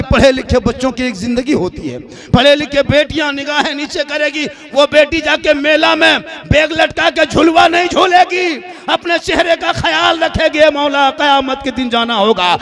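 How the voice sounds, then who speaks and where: A man preacher telling stories emotionally in a sermon, sometimes singing lines and shouting at climaxes. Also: extremely high pitch. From Jharkhand, India. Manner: emotional storytelling with sung passages and shouted climaxes. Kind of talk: impassioned sermon.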